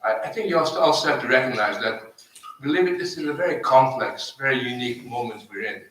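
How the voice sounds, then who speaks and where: A man from Hungary, arguing as a panelist in deliberate phrases that often restart. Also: mid-range voice, fairly bright tone. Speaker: panel speaker. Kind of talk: argumentative panel remarks. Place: live panel event in an echoey room. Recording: very echoey room, distant microphone.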